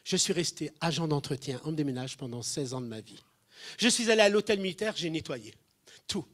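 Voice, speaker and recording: A man's fairly high, fairly quick voice carries a humorous sermon full of storytelling for a congregation. He acts out the people he quotes in their own voices, stays animated throughout, and his volume jumps unexpectedly.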